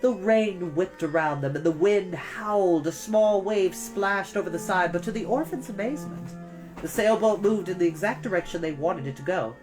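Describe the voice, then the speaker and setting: Low-voiced woman reading a storybook. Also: normal speed, over music. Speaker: storytime reader and host. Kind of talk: expressive read-aloud storybook narration.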